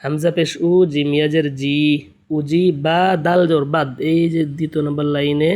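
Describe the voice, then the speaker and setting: A Quran teacher from Bangladesh spells out Arabic letters and vowel marks for beginners, his voice a little high and flat. He moves from slow, sing-song spelling chants to quick spoken explanations.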